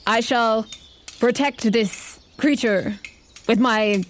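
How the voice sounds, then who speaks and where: A woman voicing a stiff, uneasy male swordsman in a tabletop game, speaking formally and haltingly. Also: a little high, slight background noise. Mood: reluctant solemnity.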